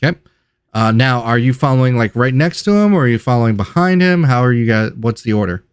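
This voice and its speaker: A man's voice: medium pitch, lively intonation, fast, clear, resonant tone, no room sound. Man running a tabletop game, dry close mic. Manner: rambling, self-correcting descriptions. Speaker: game master. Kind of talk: narrating a tabletop game session.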